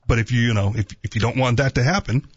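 A man's voice: mid-range voice, quick pace, slightly rough, no echo, highs cut off. A man co-hosting a talk radio show, talking casually, teasing, and checking in with "right?". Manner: conversational, teasing, asks "right?" a lot.

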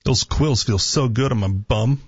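A man's voice: medium pitch, unhurried, slightly rough, no echo, dull audio. A man co-hosting a call-in talk show in casual, argumentative banter, teasing and joking crudely. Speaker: talk radio co-host.

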